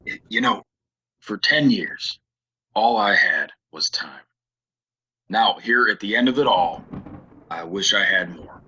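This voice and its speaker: A slightly muffled recording of a western audio play. A man acts out a weary, guarded gunslinger with a very low, husky voice and a tense, forceful edge. He speaks haltingly, as a loner would. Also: animated, heavily acted. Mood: weary, brooding. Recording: dull lo-fi home recording.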